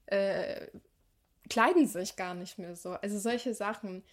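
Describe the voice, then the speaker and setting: Young adult woman, podcast co-host, thoughtful, hesitant, filler-heavy, mid-pitched. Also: measured pace. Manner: thoughtful, many fillers and restarts. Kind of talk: casual conversational podcast.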